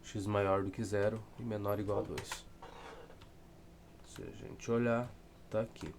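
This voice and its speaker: A man's voice: fairly low pitch, little pitch movement, a little slow, a little mellow, slight background noise. A man with a southern Brazilian accent giving an informal, rambling math lesson, thinking aloud with dry, self-deprecating humour. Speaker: math tutor. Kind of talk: casual lesson, solving textbook problems aloud.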